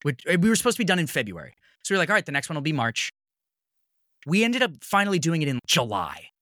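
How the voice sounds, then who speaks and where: A man's voice: fairly high pitch, huge pitch swings, fast talker, pushed and bright, no room sound. A man from Maine, a podcast guest in his thirties, telling a story in casual conversation, swearing freely and acting out the other people in it. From Maine, USA. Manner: heated, swears freely, voices others in retold dialogue.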